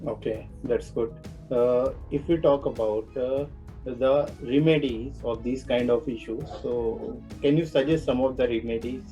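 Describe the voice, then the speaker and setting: Mellow-voiced Indian man interviewing. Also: mid-range voice, fairly even intonation, measured pace, faint music behind. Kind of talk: formal mock interview questioning.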